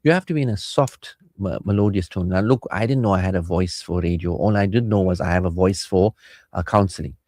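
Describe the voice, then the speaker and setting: A man's voice: deep voice, brisk, darkish tone, no room sound, studio quality. A man with a South African Indian accent chatting casually as a radio host and counsellor, playful and rambling. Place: radio studio.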